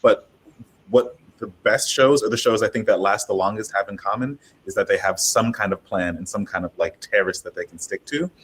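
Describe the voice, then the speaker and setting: A man's voice: on the low side, fairly quick, fairly bright tone, breathy edge. A man speaking casually as a panelist, in a conversational way sprinkled with "like". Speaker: panelist, audio drama maker.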